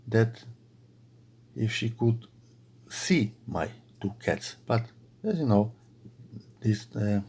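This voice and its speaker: Slovenian guy chatting while he crochets, slow and husky, lots of uhs. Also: lowish voice, a little mellow. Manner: halting, many filler "uh"s and restarts. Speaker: crochet video creator. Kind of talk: casual chat to followers while crocheting. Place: bedroom at home.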